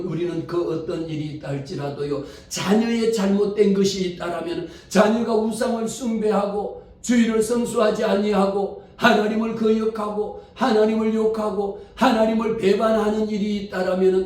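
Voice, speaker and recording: A male pastor preaching a Sunday sermon with animated storytelling and frequent rhetorical questions, in a church sanctuary. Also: high voice. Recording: far mic in very echoey hall.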